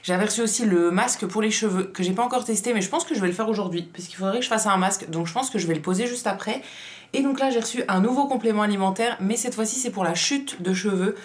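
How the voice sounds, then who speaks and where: A woman's voice: mid-range voice, quick pace. A woman vlogger who has just woken up, chatting casually with a tired morning voice. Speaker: beauty vlogger. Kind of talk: casual vlog chat.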